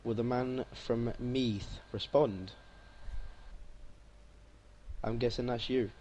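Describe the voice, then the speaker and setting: A young man as co-commentator on a sim racing stream, friendly and measured, adding analysis. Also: medium pitch, fairly even intonation, a little mellow, slight background noise, low-quality recording.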